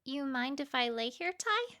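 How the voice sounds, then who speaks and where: A woman's voice: sits high, very animated, a little slow, sharp tone, full character voice. A woman playing a curious, teasing young female cartoon pony roommate in a fan fiction audio reading. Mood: curious, sweet. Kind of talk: fan fiction character acting.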